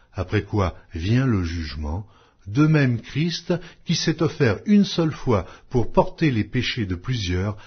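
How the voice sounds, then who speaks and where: A man narrating scripture as a solemn, scripted audiobook reading with measured, declamatory phrasing. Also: lowish voice, slightly rough. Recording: dull lo-fi audio.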